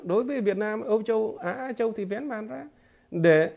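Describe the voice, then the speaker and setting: A man giving a political commentary monologue to his viewers, halting and repeating filler words, emphatic and blunt. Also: high voice, vocal fry, dull audio. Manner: emphatic, with blunt crude imagery.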